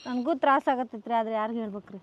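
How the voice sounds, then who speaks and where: A put-upon young wife, played by a woman, who pleads and scolds in a North Karnataka accent. Her voice rides high. She sounds anxious to send the visitor away. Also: racing, lightly acted. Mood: fretful. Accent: North Karnataka Kannada. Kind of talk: comedy skit acting.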